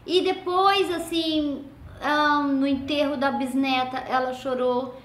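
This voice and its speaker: An older woman with a Brazilian accent, casually telling family stories and often trailing off into soft, low asides. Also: steady tone, slow. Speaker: vlogger. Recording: echoey room with faint ambience.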